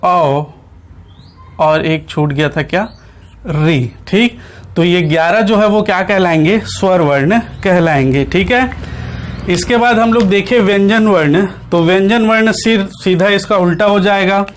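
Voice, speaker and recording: A man with a high-pitched voice delivers an online grammar lecture. He keeps asking the class questions and answering them himself, and he drills each point with short confirming checks. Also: a little slow, slight background noise. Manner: repeats key points with frequent checks. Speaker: Hindi grammar teacher. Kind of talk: online exam-prep lecture.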